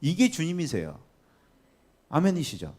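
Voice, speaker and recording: A male pastor delivering a Sunday sermon in a church sanctuary. His pitch swings widely as he preaches. He keeps turning to the congregation with questions. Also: measured pace. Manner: animated, often acting out quoted voices and asking the congregation questions.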